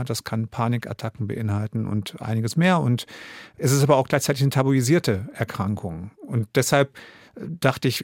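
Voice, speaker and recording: A man's voice: medium pitch, darkish tone, dry recording, studio quality. A man in his fifties from Germany, an author answering interview questions thoughtfully, with many fillers and restarts. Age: 50s.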